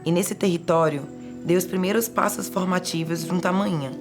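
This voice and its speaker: Low-voiced woman over music. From Salvador, Bahia, Brazil. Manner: reflective, poetic, measured. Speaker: writer, researcher and teacher. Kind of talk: personal reflective narration.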